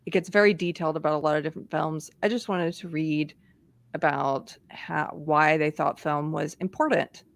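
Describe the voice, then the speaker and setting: Chatty low-voiced woman host. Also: fairly even intonation, gravelly, no room sound. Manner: chatty, laughs often, reads aloud haltingly. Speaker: podcast host. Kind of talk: casual live-stream chat, reading articles aloud.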